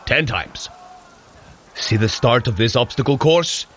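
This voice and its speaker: An actor playing a boisterous, jovial Norse warrior god who coaches a mortal runner in a scripted audio drama. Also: male voice, expressive, unhurried, a bit bright, slight background noise. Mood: encouraging, amused. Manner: jovial, theatrical, booming commands. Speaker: fitness trainer guiding a run.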